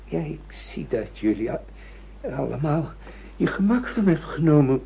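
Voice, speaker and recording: A man's voice: on the high side, big pitch swings, normal speed, creaky, a little hiss or hum. An actor in a radio play playing a middle-aged father with memory loss, hesitant, questioning and earnest. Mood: searching, unsure. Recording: dull lo-fi radio play recording.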